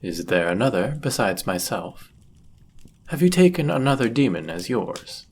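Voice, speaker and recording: A man's voice: fairly low pitch, big pitch swings, moderate pace, a little mellow, slightly rough, full character voice. A man playing a powerful demon, a devoted and possessive servant, with formal, theatrical phrasing in a fantasy audio roleplay. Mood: reverent, pleased.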